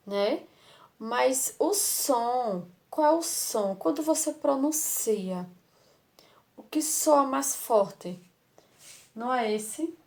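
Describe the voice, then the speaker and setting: A woman's voice: fairly high pitch, a little mellow. Patient Brazilian woman teaching young children. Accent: Brazilian Portuguese. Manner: affectionate, patient, repeats words slowly and asks rhetorical questions. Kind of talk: online lesson for young children.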